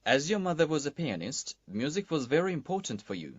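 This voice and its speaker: A man's voice: fairly high pitch, a little fast, no room sound. A man playing a polite magazine interviewer in a scripted listening-exam dialogue. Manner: polite, lively questioning. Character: male magazine interviewer, courteous. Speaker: interviewer in a textbook listening recording. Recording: dull lo-fi recording played in class.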